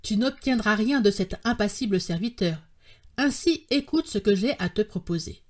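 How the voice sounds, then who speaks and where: A woman voicing a stubborn, fiery old male professor in an audiobook, talking forcefully and insistently. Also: mid-range voice, lively intonation, moderate pace, natural voice. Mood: calm, commanding. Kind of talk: audiobook character reading.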